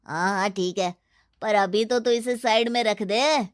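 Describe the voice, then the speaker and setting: A woman's voice: medium pitch, a little slow, dry recording, studio quality, lightly acted. A woman voicing a jumpy, easily scared young man in a cartoon story, with dramatic exclamations. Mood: teasing.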